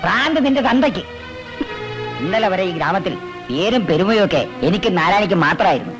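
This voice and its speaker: A man's voice: high voice, expressive, brisk, music in the background. An older actor playing a proud, scheming retired astrologer father in a domineering, blustering manner. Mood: stern. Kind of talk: 1990s Malayalam film dialogue.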